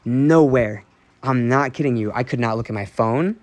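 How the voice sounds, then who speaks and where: A young man, a streamer, candidly rambling and ranting while he walks around a dark basement talking into his phone, swearing freely and filling with "like". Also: mid-range voice, moderate pace, no echo. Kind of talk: casual rambling monologue. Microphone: phone held while walking.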